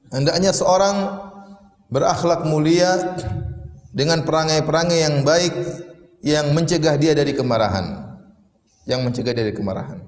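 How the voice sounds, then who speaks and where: A man with a fairly high voice delivers an animated sermon. His pitch leaps when he tells a joke or acts out a story. The recording rings with a long, roomy reverb. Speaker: Islamic preacher. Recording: echoey hall with long reverb.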